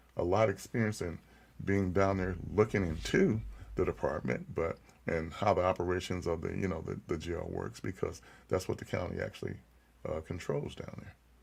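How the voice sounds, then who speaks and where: This man's voice is very deep and low, with vocal fry. He keeps a moderate pace and ordinary pitch variation. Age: 60s. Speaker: political candidate. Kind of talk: radio interview. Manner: hesitant, many fillers.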